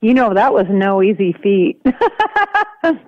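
A woman from Southern Illinois, a guest author, telling stories in a relaxed, casual way with frequent laughter. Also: medium pitch, measured pace, no room sound, muffled recording. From Southern Illinois, USA. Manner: laughs often, relaxed storytelling. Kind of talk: casual interview.

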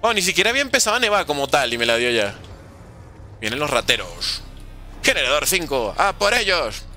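A man's voice: a little high, big pitch swings, a little fast, sharp tone, faint music behind. A young man streaming a zombies game live, reading chat questions aloud and answering with playful jokes. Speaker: gaming streamer.

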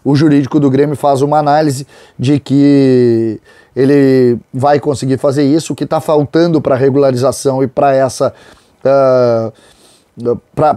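A middle-aged host from Rio do Sul delivers opinionated football commentary in a chatty way, leaning on drawn-out words to make his points. His voice is mellow and dark in tone. It is recorded dry and close on a lapel mic in a small studio. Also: medium pitch, dry recording. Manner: conversational and opinionated, with drawn-out emphasis on key words. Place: small studio with a branded backdrop, indoors.

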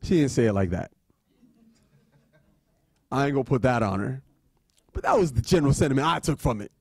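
A man giving a talk, telling a personal story in an animated way that swings between loud and hushed. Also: mid-range voice, a little fast, creaky, breathy edge, no room sound. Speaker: guest speaker.

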